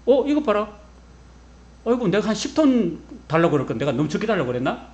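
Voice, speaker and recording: A man's voice: high-pitched, very animated, fast talker, a little mellow, reverberant, muffled recording, pitched above the performer's own voice. Guy putting on a smug greedy king, bossy, gloating over the gold. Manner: gloating, demanding.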